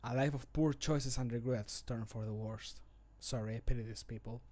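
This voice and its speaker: Man acting a somber, slow-spoken fantasy adventurer. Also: medium pitch, steady tone, darkish tone, close to an everyday voice. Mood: somber, pitying. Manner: slow, dramatic, gapped delivery. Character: somber, pitying male fantasy game adventurer. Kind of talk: scripted game voice line. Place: small home room.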